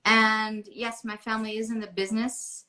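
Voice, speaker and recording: An American woman talking as an interview guest, her voice bright and forceful. She chats in a rambling way, starting sentences over and over. It is relaxed, conversational talk. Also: on the high side, moderate pace. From United States. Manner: chatty, rambling, many restarts. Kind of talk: casual interview chat.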